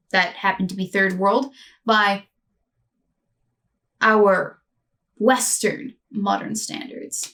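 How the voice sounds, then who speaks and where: A woman's voice: medium pitch, recorded from a distance. A woman host narrating a scripted commentary video with a sardonic, mocking edge.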